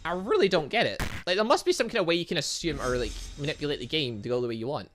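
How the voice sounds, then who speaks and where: Excitable man with a bright, swooping voice. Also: on the high side, rapid-fire, slight background noise. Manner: excitable, exclamatory, muttering asides. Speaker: gaming video host. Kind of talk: let's play commentary, reading game text aloud.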